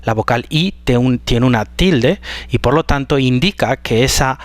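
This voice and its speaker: Male language teacher, mid pitch, careful explanatory delivery, dry close sound. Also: no echo. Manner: slow, careful, drawn-out example words. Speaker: Spanish pronunciation teacher. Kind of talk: explanatory lesson.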